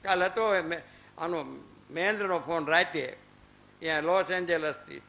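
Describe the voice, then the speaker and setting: A man's voice: on the high side, normal speed, pushed and bright, low-quality recording. A man in his fifties giving a religious discourse at an ashram, telling stories with quoted dialogue and rhetorical questions. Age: 50s. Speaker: spiritual discourse speaker. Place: ashram hall.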